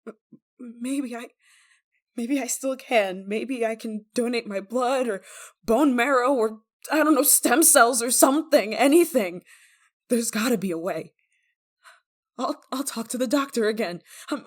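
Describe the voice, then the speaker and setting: A high-voiced woman acted by a female performer plays an obsessive yandere lover in an emotional audio roleplay. She is desperate and guilt-ridden, pleading in halting phrases that often stumble and stammer. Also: natural voice. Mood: desperate hope. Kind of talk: ASMR roleplay monologue, emotional acting.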